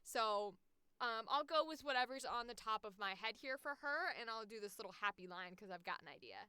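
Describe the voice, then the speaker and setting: A woman hosting a casual livestream as a voice actor, talking in an animated, explanatory way. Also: on the high side, brisk, smooth, no room sound.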